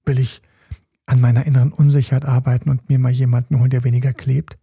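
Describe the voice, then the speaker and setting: A man's voice: mid-range voice, fast talker, breathy edge, dry recording, clean studio sound. A man co-hosting a podcast, giving casual, slangy relationship advice and acting out small quoted scenes. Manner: animated, acts out little quoted scenes; colloquial, slangy. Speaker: podcast co-host. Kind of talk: casual coaching talk.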